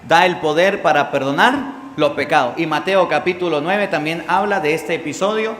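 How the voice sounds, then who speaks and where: A man's voice: on the high side, normal speed, a bit bright. A man preaching a sermon as a priest, asking his congregation questions. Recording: echoey hall with long reverb.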